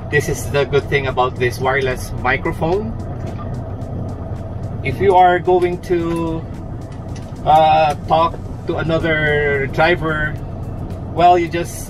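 Middle-aged male vlogger, slightly high voice, unhurried delivery, halting and repetitive product demo in a truck cab, faint music. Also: rough recording. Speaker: truck driver and product reviewer. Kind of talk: casual product review vlog to camera.

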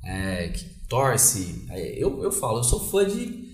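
A man's voice: fairly low pitch, wildly swooping pitch, slow pace. Chummy male host in an echoey studio. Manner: upbeat, chummy, with slangy asides. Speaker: show host. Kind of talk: casual interview. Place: small studio with green set. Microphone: lapel mic.

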